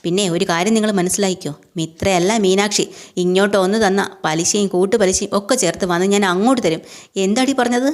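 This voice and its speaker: A woman voicing a defiant, sharp-tongued young woman who mocks and scolds in a fast, everyday voice. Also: mid-range voice, close to an everyday voice. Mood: scornful. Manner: mocking, scolding.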